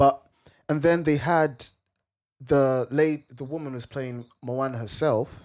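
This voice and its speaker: A man with a fairly high voice speaks at a very slow pace. He leaves long, frequent pauses, and his pitch varies in an ordinary way. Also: big swings in loudness. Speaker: podcast co-host. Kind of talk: casual banter podcast.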